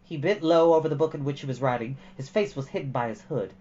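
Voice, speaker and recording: A man reading a storybook aloud as host, with expressive narration and the odd casual aside. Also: medium pitch, quick pace, dull audio.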